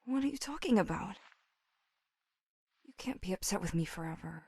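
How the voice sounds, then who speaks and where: A young woman voicing a young female coworker in a video game, breathy and volatile, swinging from soft murmurs to yelling. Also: medium pitch, expressive, moderate pace, dry recording, clean studio sound. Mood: pleading. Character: young woman coworker, teasing then pleading. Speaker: game character.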